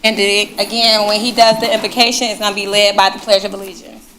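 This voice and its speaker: A woman's voice: medium pitch, level tone, quick pace, a little hiss or hum, low-quality recording. A woman chairing a city council meeting, talking to the room in a chatty way and reading a proclamation at a desk microphone in a council chamber. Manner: chatty, warm asides to the room. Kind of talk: presiding over a public meeting, reading a proclamation.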